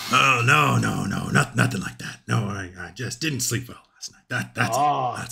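A man puts on a character voice at a medium pitch, speaking at a fairly slow pace with hardly any pauses. His loudness swings widely. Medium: actual play.

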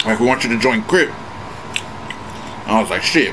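A man with an American accent and ordinary pitch variation speaks over noticeable background noise. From Stockton, California. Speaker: mukbang YouTuber. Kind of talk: casual storytime while eating. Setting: home recording for video. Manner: casual, filler-heavy slang. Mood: relaxed, laid-back. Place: home room. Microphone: webcam.

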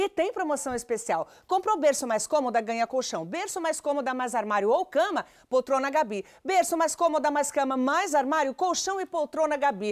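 Recorded dry and close with no echo, a woman speaks at high pitch with lively intonation. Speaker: TV shopping presenter. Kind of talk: rapid-fire TV shopping pitch rattling off prices. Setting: walking through a store on camera. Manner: chummy, coaxing, calls viewer mamãe.

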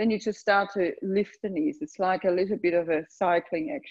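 Against a quiet background, a woman talks at a fairly quick pace. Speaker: yoga teacher. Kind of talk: class instruction. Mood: warm, playful, laughing. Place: home room.

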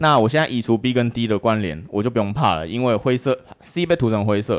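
In an animated tone, a man speaks at a very fast pace on a very clean recording with a silent background. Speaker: conference speaker, software engineer and YouTuber. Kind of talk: technical conference talk. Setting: stage with audience. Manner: casual, joking, animated.

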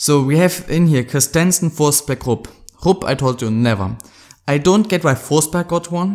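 On a very clean recording with a silent background, a man speaks with a German accent. His pitch is fairly high and his pace moderate. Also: ordinary pitch variation. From Germany (Leipzig). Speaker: gaming YouTuber. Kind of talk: casual video commentary. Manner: halting, many fillers.

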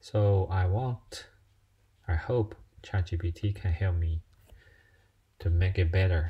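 A man with a Chinese accent, very deep and low in pitch, his tone dark and mellow and somewhat breathy, very slow in pace with fairly even intonation, on a very clean recording with a silent background. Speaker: software engineer vlogger. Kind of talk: tutorial. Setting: screen recording, solo. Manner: halting, with fillers.

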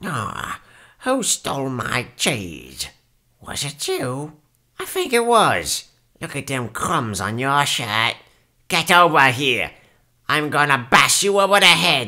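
In a put-on character voice pitched low-to-middle, the speaker moves at a fairly slow pace with long, frequent pauses.

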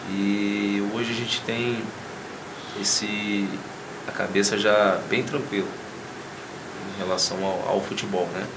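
Through noticeable background noise, a man talks at a very slow pace with long, frequent pauses. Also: fairly low pitch for a man. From Espírito Santo, Brazil. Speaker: football goalkeeper. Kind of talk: studio interview. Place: studio. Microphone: lapel.

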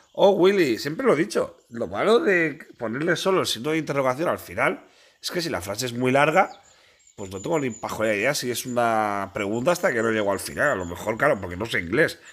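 A man with a Castilian accent talks at a fairly quick pace. His medium-pitched voice swings very widely in pitch. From Spain. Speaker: gaming YouTuber. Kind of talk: gameplay commentary.

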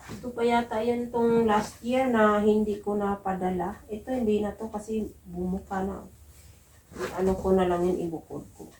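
A woman's plain, everyday voice, medium in pitch, at a moderate pace with fairly even intonation and big swings in loudness. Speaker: vlogger. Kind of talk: casual vlog narration.

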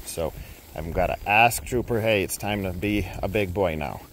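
A man with a fairly low pitch speaks at a moderate pace in a dry sound with no echo, over light background noise. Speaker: horse trainer. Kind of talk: tutorial. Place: open country. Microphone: phone near.

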